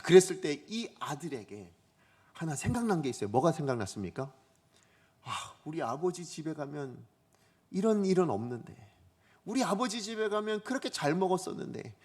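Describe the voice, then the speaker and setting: Pastor, male, high husky voice; preaches with swooping intonation and acts out quoted lines. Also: darkish tone. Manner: asks the congregation questions and acts out quoted voices. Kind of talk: Sunday morning sermon. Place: church sanctuary.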